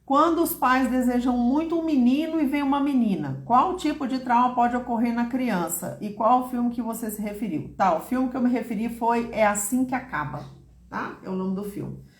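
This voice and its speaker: A woman speaking warmly and reassuringly, talking straight to her viewers and sometimes acting out quoted lines. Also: moderate pace, roomy sound. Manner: warm, reassuring, speaks directly to viewers by name; acts out short quoted lines in a higher voice. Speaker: therapist answering viewers' questions. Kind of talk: live online talk.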